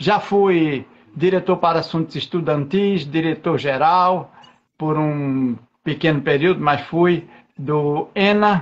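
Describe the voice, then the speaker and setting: Very slowly and at a very even loudness, a man talks in a fairly high voice. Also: ordinary pitch variation. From Brazil, Recife (Pernambuco). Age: 60s. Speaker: retired professor and natural health practitioner. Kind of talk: interview self-introduction. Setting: live stream on social media.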